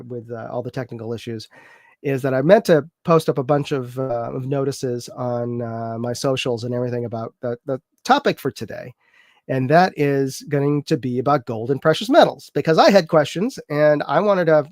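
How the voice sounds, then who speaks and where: A man's voice: medium pitch, no room sound, studio quality. A man hosting a live chat show, talking casually and rambling a bit, congested from a cold. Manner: rambling, filler-heavy, chatty with viewers.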